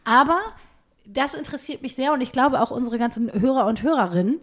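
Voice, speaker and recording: Inquisitive woman with a high-pitched voice. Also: a little fast. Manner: inquisitive, colloquial. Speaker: podcast co-host, interviewer. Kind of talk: casual interview.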